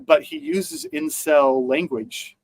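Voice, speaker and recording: A man chats about the news in a loose, rambling way, stopping and restarting his sentences and filling gaps with "uh" and "like." His voice sits a little high for a man. The sound is dry and close, with no room around it. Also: wildly swooping pitch, takes it slowly, creaky, no room sound, rough recording. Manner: rambling, many fillers and restarts. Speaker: podcast co-host. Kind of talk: casual news chat.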